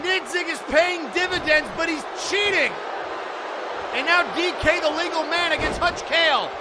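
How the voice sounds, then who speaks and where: High-pitched shouting male wrestling commentator over crowd. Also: moderate pace. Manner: excited shouting, exclaiming at the action and the referee. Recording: noisy event audio with loud crowd. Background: crowd noise and slamming thuds.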